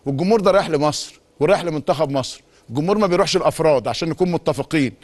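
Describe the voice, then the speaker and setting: A man's voice: a little high, darkish tone. A middle-aged man with an Egyptian Arabic accent, a sports talk show host delivering an emphatic monologue full of repeated insistent phrases. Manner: rapid, emphatic, repetitive insistence. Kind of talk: monologue commentary.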